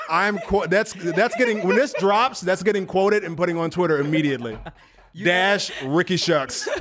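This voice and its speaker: With lively intonation, a high-pitched man talks as noticeable background noise plays behind him. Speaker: podcast guest. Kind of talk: casual chat. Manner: fast talker, slurs.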